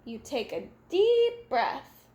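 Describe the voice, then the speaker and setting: Calm, wise mother cat, slow and patient delivery, read by a woman. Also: high voice, highs cut off, full character voice.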